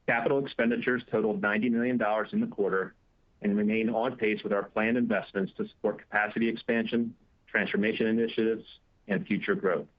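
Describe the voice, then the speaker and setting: Lower-voiced man reading financial results, dull audio. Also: fast talker. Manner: formal, steady reading of figures. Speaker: company finance chief. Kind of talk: prepared financial results report. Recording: dull, band-limited conference call audio.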